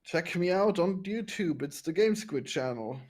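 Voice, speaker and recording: A man's voice: sits high, expressive, a little slow, darkish tone. A man from Austria, co-hosting a casual podcast and giving dry, brief replies. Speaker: podcast co-host.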